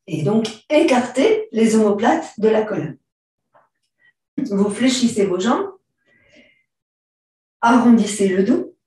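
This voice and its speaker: Woman yoga instructor, calm guided cues, very slow delivery, distant mic. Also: fairly high pitch. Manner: slow, calm, gentle cues with frequent throat clearing. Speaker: yoga teacher. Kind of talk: guided stretching class instructions. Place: large room during an online class. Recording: very echoey room, far from the mic.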